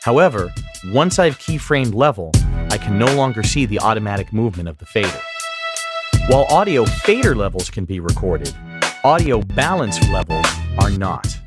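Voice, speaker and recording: Man narrating a tutorial, lively intonation. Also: lowish voice, normal speed, music in the background. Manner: explanatory, step-by-step. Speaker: software tutorial instructor. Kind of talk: instructional screen-capture narration.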